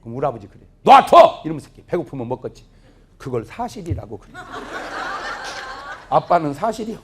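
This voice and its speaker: A man's voice: a little high, quick pace, background noise. A middle-aged man, a pastor, preaching a revival sermon full of humorous family stories that he acts out in dialogue. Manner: lively storytelling, acting out family dialogue. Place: church revival meeting, audience laughing.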